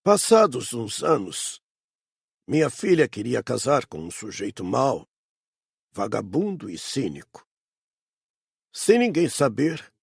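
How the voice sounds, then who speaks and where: Male actor as old Brazilian hunter spirit, audiobook confession, slow delivery, husky and gravelly, swinging intonation, remorseful. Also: medium pitch, no room sound, clean studio sound, heavily acted. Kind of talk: dramatised audiobook narration.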